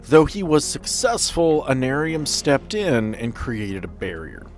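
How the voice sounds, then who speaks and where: A male game master tells an improvised horror story for a tabletop game. His pitch is average but moves around a lot, with theatrical phrasing and dramatic pauses. Faint music sits behind him. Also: very animated. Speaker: game master, podcast host.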